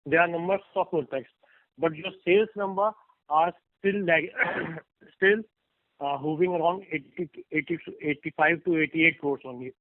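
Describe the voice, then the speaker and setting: A man with a slightly high voice puts questions as an investor on an earnings call. His phrasing is halting and deliberate. The phone line is thin and narrow, with a dry sound. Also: no echo. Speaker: investor caller asking questions.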